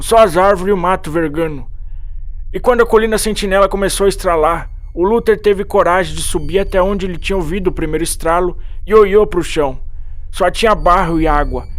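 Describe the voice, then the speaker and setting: A rural Brazilian farmer, acted out by a man in a horror audiobook, pitched fairly high. He tells his tale in folksy, colloquial speech, excited and alarmed by something unseen. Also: close to an everyday voice. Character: rustic farmer breathlessly recounting an unseen horror.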